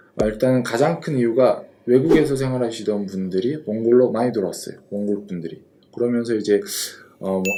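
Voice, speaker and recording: A man with a medium pitch and ordinary pitch variation talks at a fairly quick pace as noticeable background noise carries on. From Mongolia, partly raised in Seoul. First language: Mongolian (speaking Korean). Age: 20s. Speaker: real estate agent. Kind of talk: interview.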